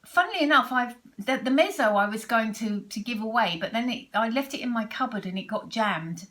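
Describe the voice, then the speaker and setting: A woman's voice: on the high side, lively intonation, brisk, fairly bright tone. Chatty British woman in her sixties. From Britain. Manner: chatty, rambling, with restarts and asides. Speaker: sewing vlogger. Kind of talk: casual chat to camera.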